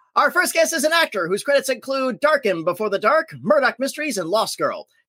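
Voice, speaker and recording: A bright, sharp tone in a raised, projected voice swings very widely in pitch, recorded in a dry, close sound with no echo. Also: man. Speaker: online convention host. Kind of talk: moderated panel interview. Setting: video call. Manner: jovial, chatty.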